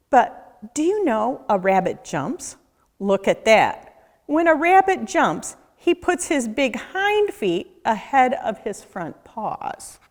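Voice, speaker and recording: A woman reading a children's picture book aloud as a nature educator, with a deliberate, questioning storyteller delivery. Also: on the high side. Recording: echoey room with long reverb.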